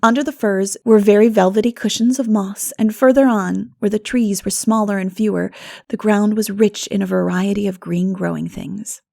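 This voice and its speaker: A woman reading a classic novel as an audiobook narrator, in an expressive storytelling manner. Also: medium pitch, moderate pace, creaky. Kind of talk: scripted literary narration.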